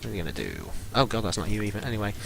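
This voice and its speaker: A man narrating as game master of a live-streamed tabletop game, halting and full of fillers as he describes the scene. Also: lowish voice, sing-song, gravelly, a bit bright, slight background noise. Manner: halting, full of ums and sort-ofs.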